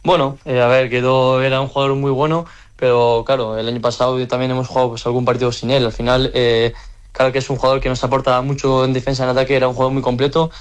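A young handball player from the Country, answering interview questions casually, with lots of hesitant fillers. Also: male voice, mid-range voice, little pitch movement, fast talker, smooth. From French Basque Country.

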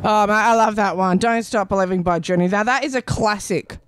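A woman's voice: mid-range voice, brisk, clean tone, dry recording, studio quality. A woman in her thirties with an Australian accent, hosting community radio in a playful, self-mocking way. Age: 30s. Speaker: radio host. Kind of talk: community radio chat and weather read. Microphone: studio microphone.

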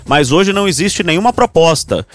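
A man's voice: fairly high pitch, animated, normal speed. A man, commenting on football on a sports talk show, explaining steadily and citing figures.

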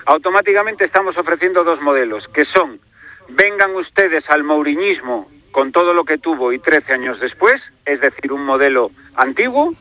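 A man's voice: on the high side, lively intonation, normal speed, pushed and bright, muffled recording. A man with an accent from Spain giving his opinion in a sports debate, emphatic and repeating phrases for effect. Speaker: football pundit.

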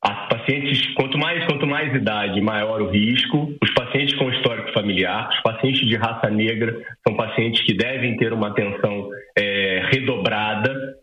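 A man's voice: fairly low pitch, moderate pace, few pauses, bright, forceful tone, reverberant, highs cut off, slight background noise. A Brazilian man in his forties, an ophthalmologist explaining things simply with everyday comparisons. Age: 40s. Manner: explains with everyday analogies, adds "tá?" tags. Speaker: ophthalmologist guest. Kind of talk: explaining to a lay audience in a radio interview.

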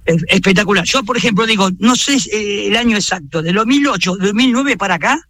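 A man's voice: sits high, brisk, sharp tone. A man in his sixties from Argentina, with an Argentine accent, calling in to a radio show and giving his views with passion and emphasis. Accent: Argentine Spanish. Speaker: caller. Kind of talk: radio phone-in chat.

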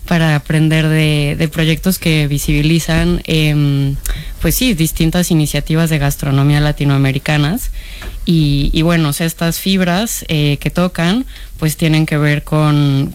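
A woman's voice: sits low, clear, resonant tone. A Mexican woman with a Mexican accent, a journalist chatting casually on radio, hesitant with many fillers. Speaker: journalist, regular contributor. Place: radio studio.

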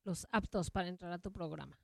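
A woman's voice: lowish voice, a little fast, vocal fry, no echo, clean studio sound. A woman hosting an interview, asking questions and affirming often. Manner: frequent affirming backchannels. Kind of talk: casual interview.

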